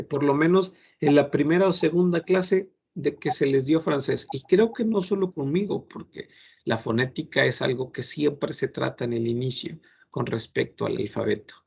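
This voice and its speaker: A man's voice: mid-range voice, vocal fry, slightly rough. A man, a French teacher lecturing his class in an earnest, admonishing way, giving many examples.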